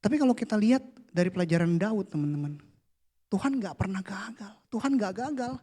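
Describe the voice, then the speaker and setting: A man, preaching a casual, playful youth sermon that drops to a hush for the prayers. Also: high-pitched, expressive, fairly quick, husky. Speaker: youth pastor. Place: church hall.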